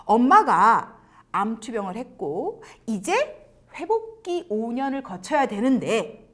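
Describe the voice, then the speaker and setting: A woman with a high voice gives parents advice in a lecture. Her pitch leaps up and down all the time, and she acts out little scenes. Now and then her voice sinks almost to a whisper to stress a point. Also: slow. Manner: animated, acts out quoted lines; drops to near-whispers for emphasis. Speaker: education commentator and host.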